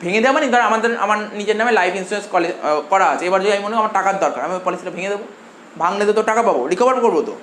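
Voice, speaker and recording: A man from India with a Bengali accent gives a commerce lecture at breakneck speed, repeating points and firing questions at his students. His high-pitched voice races along with a fairly bright tone. It echoes around the room over a faint background hiss.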